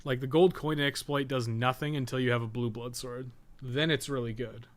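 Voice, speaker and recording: A man giving casual live gameplay commentary as a guide host, explaining things in a relaxed, sweary way. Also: mid-range voice, normal speed. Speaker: game streamer and guide host.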